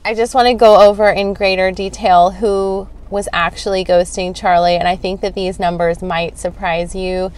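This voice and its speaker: A woman's voice: mid-range voice, little pitch movement, normal speed, hardly any pauses, darkish tone. A woman hosting an online video, giving informal commentary and explaining things to viewers step by step. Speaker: host of a true crime video channel. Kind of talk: informal commentary going through figures for viewers.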